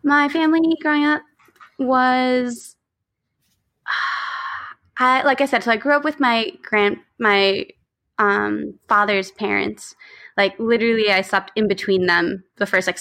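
A woman's voice: mid-range voice, flat delivery, a little slow, gravelly, a bit bright. A woman in her thirties from Long Island with an American accent and Spanish as her first language, telling stories casually as an interview guest. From Long Island, New York, United States. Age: 30s. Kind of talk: casual conversational storytelling.

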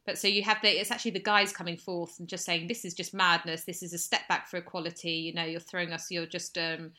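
A woman from England co-hosting a casual chat show, telling stories in a lively, animated way with sudden high bursts. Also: quick pace. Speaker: podcast co-host.

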